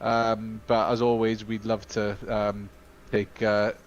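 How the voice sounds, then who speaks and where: A Welsh-speaking man co-hosting a casual live-stream Q&A, talking in a chatty, halting way full of fillers and restarts. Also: lowish voice, completely flat delivery, highs cut off, slight background noise. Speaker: studio co-host.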